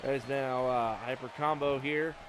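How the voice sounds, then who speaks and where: A man giving excited play-by-play commentary over a wrestling video game, breaking into exclamations as the moves land. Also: medium pitch, normal speed, crowd noise. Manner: excited exclamations, rising with the action. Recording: noisy game audio behind.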